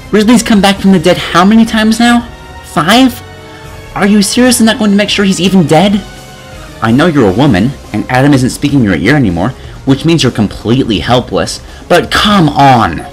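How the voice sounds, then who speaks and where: A man reading scripted video game review commentary in a sarcastic, exasperated manner. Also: on the high side. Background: music.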